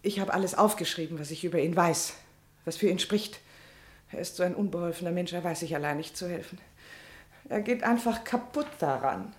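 A woman's voice: fairly low pitch, lively intonation, brisk, natural voice. An actress playing an anguished, defensive married woman, dramatic and pleading, in a German crime radio drama.

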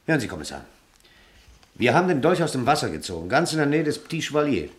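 An actor playing an eager police sergeant in a German radio crime drama, reporting in a factual, explanatory way. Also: male voice, mid-range voice, very animated, fast talker, close to an everyday voice.

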